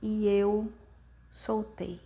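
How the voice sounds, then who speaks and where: Gravelly-voiced Brazilian woman telling a personal story. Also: mid-range voice, level tone, warm tone. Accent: Brazilian Portuguese. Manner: intimate, reflective, with many pauses. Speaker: podcast host.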